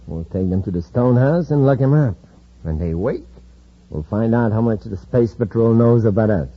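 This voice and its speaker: An actor playing a cold, calculating villain who leads a gang, in an old radio drama. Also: male voice, on the low side, expressive, moderate pace. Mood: scheming. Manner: smooth, cool menace. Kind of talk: 1950s radio drama acting. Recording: dull old radio broadcast recording.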